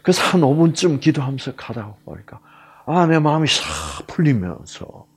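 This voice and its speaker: A man's voice: on the high side, normal speed, husky. A middle-aged man giving a health lecture, telling a personal story and acting out the voices in it. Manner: animated storytelling, acts out quoted voices.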